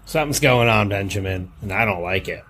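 A man speaking in character at a tabletop game, pressing with suspicious, probing questions. His voice is bright and a little husky. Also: fairly low pitch, lively intonation, a little fast. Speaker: player.

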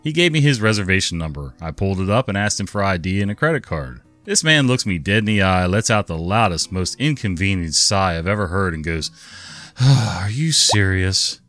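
A man's voice: low-pitched, expressive, fairly quick, few pauses, fairly bright tone. A middle-aged man narrating online stories and commenting on them in a laid-back, rambling, blunt way. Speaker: story narrator and channel host. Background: faint guitar music.

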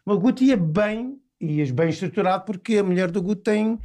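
A man's voice: sits high, brisk, mellow. A man with a European Portuguese accent, talking casually as a guest in a conversation. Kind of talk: casual chat.

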